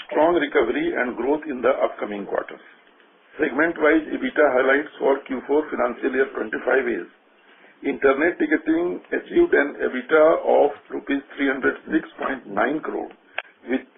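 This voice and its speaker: An Indian-accented man reads a corporate financial report in a formal, measured way, occasionally stumbling and correcting himself. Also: medium pitch, vocal fry. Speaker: company finance director. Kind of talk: formal corporate earnings presentation read aloud. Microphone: telephone conference line. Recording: tinny phone-line audio with light noise.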